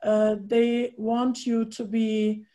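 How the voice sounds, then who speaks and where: A woman in her fifties with a German accent, hosting a casual video-call interview with slow, thoughtful phrasing and many pauses. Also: on the high side, flat delivery, warm tone. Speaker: interviewer host.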